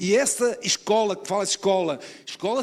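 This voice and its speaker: Speaking in a high pitch, a man talks with a European Portuguese accent. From Portugal. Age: 70s. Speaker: football coaches' association president. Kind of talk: conference talk.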